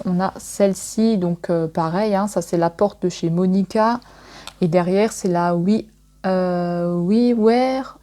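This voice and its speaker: A woman's voice: mid-range voice, warm tone. A woman casually showing makeup palettes in a haul video, talking in a chatty way full of little fillers. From France. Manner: chatty, frequent "hein" and "donc voilà" fillers. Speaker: beauty vlogger.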